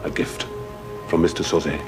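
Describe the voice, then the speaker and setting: An actor playing a cryptic, menacing middle-aged lawyer-fixer with a put-on South Asian accent, speaking in a calm, formal, coldly polite way. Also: male voice, moderate pace, loud music behind the voice, natural voice. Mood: coolly menacing. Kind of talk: feature film dialogue.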